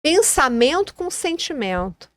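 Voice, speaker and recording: Female co-host, thoughtful explainer, slightly high pitch, dry studio mic. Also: very animated, measured pace, a bit bright, dry recording. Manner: reflective, explanatory, restarts phrases. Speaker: podcast co-host. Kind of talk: casual conversational podcast.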